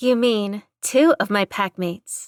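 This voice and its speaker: A put-on character voice proceeds at a fairly slow pace on a very clean recording with a silent background. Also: woman. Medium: read story. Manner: blunt, cheeky.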